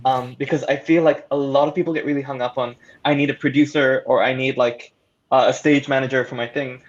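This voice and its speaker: A man with a mid-pitched voice talks casually on a panel, thinking out loud and conversational. The audio is a little dull and lo-fi. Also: fairly even intonation, brisk. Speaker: panelist, audio drama maker.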